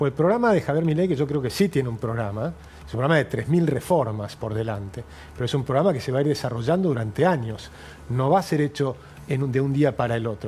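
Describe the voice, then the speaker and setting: Talking at a very fast pace, a man with a medium pitch uses lively intonation over noticeable background noise. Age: 60s. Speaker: economist. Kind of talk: panel discussion.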